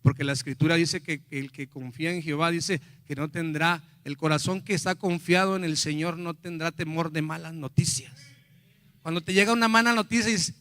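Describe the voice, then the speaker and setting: An older pastor from Mexico tells a family story from the pulpit. His slightly high, bright voice sits dry and close to the mic. He acts out the quotes, drops to quiet asides and climbs to loud praise. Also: steady tone, normal speed, hardly any pauses, no echo. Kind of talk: sermon testimony.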